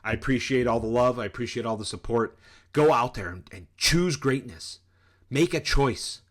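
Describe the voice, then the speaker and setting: A middle-aged man in the middle of a motivational rant, worked up and sweating as he lectures the viewer head-on. His voice sits in an ordinary middle pitch, and his delivery is intense and preachy. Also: moderate pace. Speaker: life coach and channel host.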